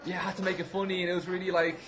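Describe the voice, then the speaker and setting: Fast-talking, higher-pitched chatty man. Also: little pitch movement, a crowd in the background. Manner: chatty, informal, sweary, frequent "like" and "you know". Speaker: podcast guest and co-host. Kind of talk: casual conversational interview answers.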